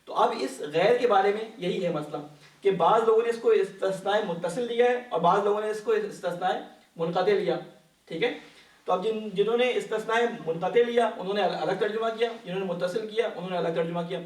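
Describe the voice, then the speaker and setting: In a big, reverberant mosque hall, a Quran study teacher speaks from some way off the microphone. His pitch is high for a male voice and his tone leans dark. He explains the religious lesson with patience, often asking his students questions and supplying the answers.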